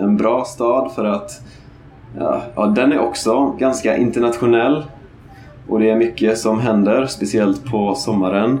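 A man with a medium pitch and ordinary pitch variation speaks at a very slow pace, with audible room echo. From western Sweden, Alingsås near Gothenburg. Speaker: Swedish language teacher podcaster. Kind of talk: language-learner podcast monologue. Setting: café restroom. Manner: slow and clear.

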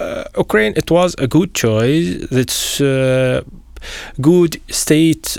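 A man's medium-pitched voice unfolds at a fairly slow pace. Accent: Arabic. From Syria. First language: Arabic. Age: 40s. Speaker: vascular surgeon. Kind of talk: interview. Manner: halting.

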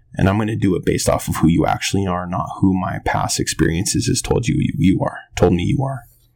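With very wide pitch swings, a man with a very deep, low voice talks at a very fast pace with hardly any pauses over noticeable background noise. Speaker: pastor. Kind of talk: podcast talk on faith. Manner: halting with many fillers.

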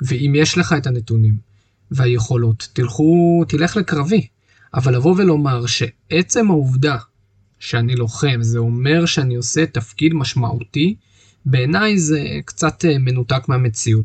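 At a fairly slow pace, a man talks with a medium pitch, ordinary pitch variation, very even loudness and a somewhat breathy sound. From southern Israel, Netivot. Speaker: podcast host, former army officer, educator. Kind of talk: solo monologue podcast.

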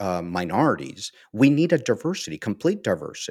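Fairly slow speech in a Puerto Rican accent, with very wide pitch swings, on a very clean recording with a silent background. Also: man. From Puerto Rico. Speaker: cybersecurity veteran. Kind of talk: interview.

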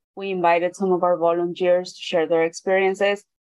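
Speaking with a Spanish accent in a flat, monotone way, a woman uses a fairly low pitch in a dry, close sound with no echo. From Mexico. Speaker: program manager, community organizer.

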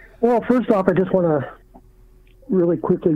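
With ordinary pitch variation and a moderate pace, a man talks amid noticeable background noise. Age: 60s. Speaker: caller. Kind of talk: phone-in chat. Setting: phone call.

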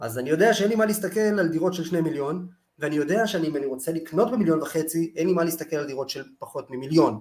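Very fast and high-pitched, a man rattles through his words. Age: 30s. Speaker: startup CEO and real estate investor. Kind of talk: interview.

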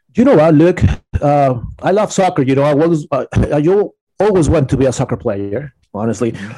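Lively intonation, a dark, mellow tone and a somewhat breathy quality, with a Spanish accent at a fairly quick pace. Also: man, fairly high pitch for a man. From Mexico City. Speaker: Spanish-language hockey broadcaster. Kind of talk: casual interview.

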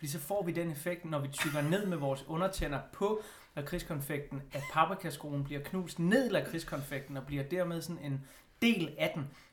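The delivery keeps a moderate pace, with noticeable background noise underneath. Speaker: radio host. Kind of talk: casual chat. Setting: home kitchen.

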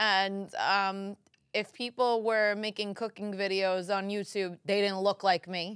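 A woman with a Brooklyn accent speaks at a medium pitch and a fairly slow pace, in a flat monotone. The recording is very clean, with a silent background. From Brooklyn, New York. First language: Italian. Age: 30s. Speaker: cooking show host and author. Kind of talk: casual interview chat. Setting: studio.

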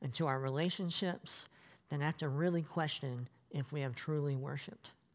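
A man with an American accent at a moderate pace, ordinary pitch variation, on a very clean recording with a silent background. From US South, Florida. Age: 40s. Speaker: worship leader. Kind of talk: sermon. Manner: halting.

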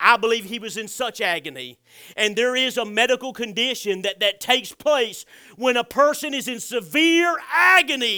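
The voice is raised and projected, with a bright, sharp tone. Its delivery is animated. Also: man, extremely high pitch for a man, moderate pace. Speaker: pastor. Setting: church with congregation. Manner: halting, with frequent "uh" fillers and restarts.

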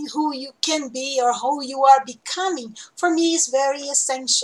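With a Portuguese accent, a woman speaks at a fairly slow pace in a high pitch. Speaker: professor and teacher educator. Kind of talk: casual chat.

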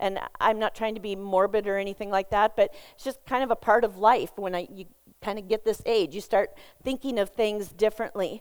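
A woman's fairly high, animated voice at a fairly quick pace, on a very clean recording with a silent background. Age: 50s. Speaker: pastor's wife / church speaker. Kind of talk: sermon. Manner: animated, repetitive emphasis.

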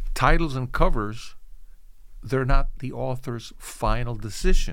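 At a fairly slow pace, a man speaks in a Spanish accent. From Cuba. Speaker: history professor. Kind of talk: interview conversation.

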